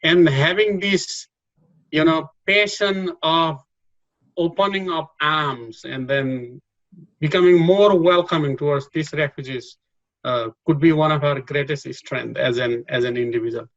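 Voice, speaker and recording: A man's voice: a little high, a little slow, a bit bright, no room sound, highs cut off. A man with a Bhutanese accent, speaking earnestly in an interview and restarting his words often. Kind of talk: giving advice in an interview.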